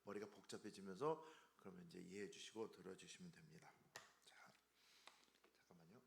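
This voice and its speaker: A man, giving an informal health seminar in a halting way with restarts and stumbles. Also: low voice, creaky, slight background noise. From Korea, later raised in the United States. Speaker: seminar speaker, health researcher. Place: indoor seminar room. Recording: roomy, echoey seminar room.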